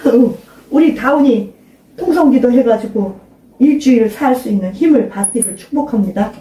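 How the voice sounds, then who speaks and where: A woman's voice: on the high side, lively intonation, normal speed, dark tone. An older woman pastor preaching an informal sermon, emphatically questioning her listeners and urging them to pray aloud. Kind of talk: informal sermon to a small congregation. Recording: roomy echo, mic at a distance.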